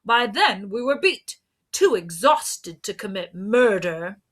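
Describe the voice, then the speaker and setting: A woman's voice: medium pitch, expressive, slow pace. A woman voicing boastful, rowdy storybook percussion instruments, barging in emphatically. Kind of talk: storybook character voice.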